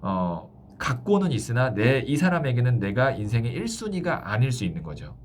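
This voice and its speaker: A man speaking as a tarot fortune teller, explaining a love reading to a client with thoughtful pauses. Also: medium pitch, big pitch swings, a little hiss or hum.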